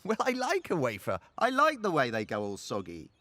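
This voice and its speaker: A woman's voice: sits low, huge pitch swings, normal speed, a bit bright, no echo, heavily acted. A woman voicing a genial, particular tea drinker in a cartoon, politely mock-posh.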